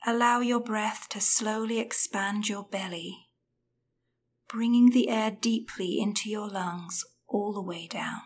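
A woman guiding a breathing meditation in a soft, soothing voice that often drops to a whisper. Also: medium pitch, steady tone, a little slow, slight background noise. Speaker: meditation guide.

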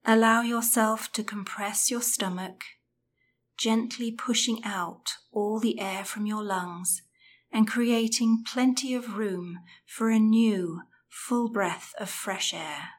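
A woman guiding a breathing meditation in a soft, soothing voice that often drops to a whisper. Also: on the high side, slow, slight background noise. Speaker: meditation guide.

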